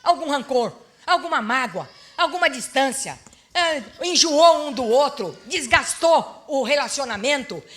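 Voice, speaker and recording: A middle-aged woman pastor giving a sermon at a church seminar, telling stories and swinging between hushed and emphatic preaching. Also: high voice, measured pace. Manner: lively storytelling, acts out quoted dialogue.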